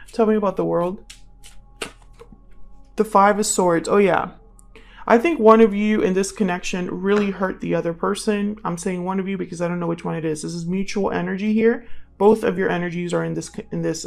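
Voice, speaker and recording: Creaky-voiced woman reading tarot. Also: medium pitch. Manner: conversational, thinks aloud, addresses listener directly. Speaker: tarot reader, channel host. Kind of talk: casual tarot reading to viewers.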